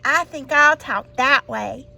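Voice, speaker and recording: A woman voicing a small, eager young male duckling who admires every sound he hears, in a high, wide-eyed, sing-song voice. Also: slow pace, vocal fry, bright, forceful tone, exaggerated voice. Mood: admiring.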